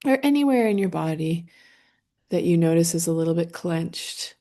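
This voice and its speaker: A woman leading a guided meditation, speaking gently and soothingly in short phrases with long, unhurried pauses. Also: on the low side, lively intonation.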